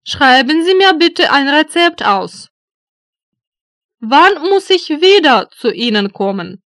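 A woman reading German phrases slowly and deliberately for learners, repeating each one. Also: sits high, very animated, fairly bright tone, no room sound, clean studio sound. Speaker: German language teacher voice. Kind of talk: slow phrase drills for learners.

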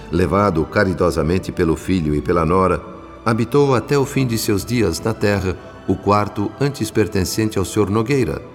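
A Brazilian actor playing a solemn spirit narrator in a radio drama, telling the tale in measured, literary diction. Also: male voice, low voice. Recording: long reverb, music underneath.

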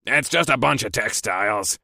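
A man's voice: mid-range voice, animated, moderate pace, vocal fry, pushed and bright, no room sound. A harsh, rusty growl of a boss, impatient and snide, clipping his words short. A man acts him out in a dry, close sound. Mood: curt, snide. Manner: curt, snide. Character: gruff impatient male trucking boss.

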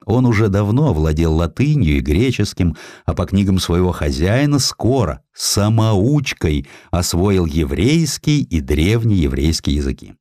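A man narrating historical stories as an audiobook, in an expressive, theatrical manner. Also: low-pitched, a little slow, hardly any pauses, no echo, studio quality.

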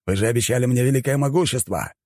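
A man doing a bitter villain hungry for power, a little higher than his plain reading voice but still deep and dark in tone. He spits his lines slowly through gritted teeth. The sound is close and dry. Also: dry recording, close to an everyday voice. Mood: resentful. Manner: slow, clenched, snarling delivery.

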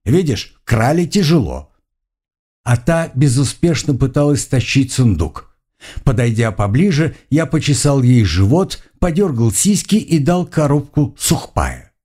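A man's voice: mid-range voice, measured pace. A man narrating a first-person adventure audiobook expressively. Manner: expressive, shifting voices for dialogue.

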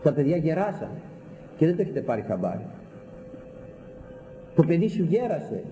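A man preaching a sermon with fiery repetition, his voice leaping up into high exclamations. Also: very animated, dark tone, long reverb tail, slight background noise, low-quality recording.

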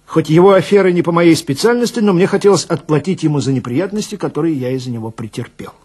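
A man playing a chatty, grumbling police detective who tells his story wryly and confidingly, with dramatic pauses, in a radio reading with a gravelly, husky voice. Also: a little high, a little mellow. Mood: disgruntled.

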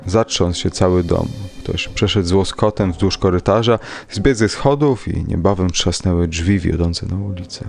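A man reading a classic horror story aloud in a measured, dramatic storytelling manner. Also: low voice, creaky, darkish tone. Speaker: podcast reader. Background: faint music.

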